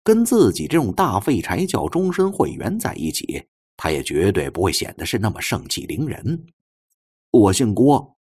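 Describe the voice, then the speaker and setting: Deep, animated male audiobook narrator. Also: moderate pace, hardly any pauses, breathy edge. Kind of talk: scripted storytelling narration.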